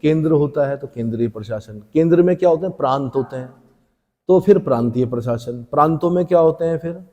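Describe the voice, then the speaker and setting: Guy teaching exam prep, asks and answers his own questions, fairly high mellow voice, big echo. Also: fast. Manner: asks questions and answers them himself, repeats key terms. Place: coaching classroom. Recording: echoey room with long reverb.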